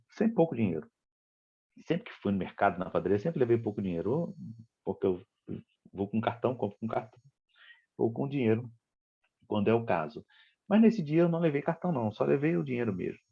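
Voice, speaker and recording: Low-voiced Brazilian man telling a story. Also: breathy edge, dull audio. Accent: Brazilian Portuguese, Rio de Janeiro. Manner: conversational, re-enacts dialogue in the story. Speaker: spiritist lecturer. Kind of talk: storytelling talk.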